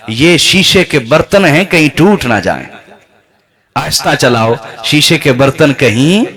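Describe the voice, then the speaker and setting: Male preacher, slightly high voice, animated sermon storyteller who calls out questions to the audience.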